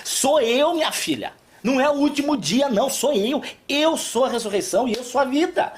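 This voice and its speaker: A man with a Brazilian accent acting out Jesus as gentle and fatherly, reassuring a woman. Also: extremely high pitch, lively intonation, normal speed, a little hiss or hum, voice pushed up. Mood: tender. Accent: Brazilian Portuguese.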